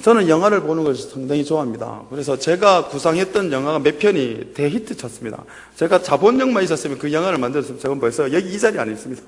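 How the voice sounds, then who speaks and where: A man's voice: on the high side, expressive, fast talker, hardly any pauses, big-room sound. A male pastor giving a sermon and leading a scripture reading, speaking earnestly and addressing the congregation directly. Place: church sanctuary.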